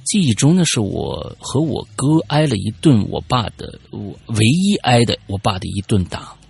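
A man hosting a podcast, telling a personal story casually, animated and stammering when excited. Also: mid-range voice, normal speed, gravelly, breathy edge.

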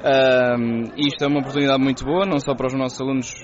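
A Portuguese man with a European Portuguese accent, a university teacher explaining his student band in a friendly way with short pauses. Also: mid-range voice, little pitch movement. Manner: friendly, explanatory, pausing with fillers. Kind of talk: interview answers. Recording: dull muffled audio with crowd noise.

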